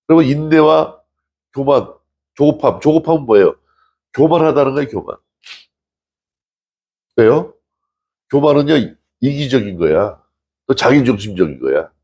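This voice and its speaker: Male pastor, husky gravelly voice, chatty sermon style with acted-out dialogue. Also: medium pitch, mellow. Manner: conversational preaching, rhetorical questions to the congregation; acts out dialogue from scripture stories.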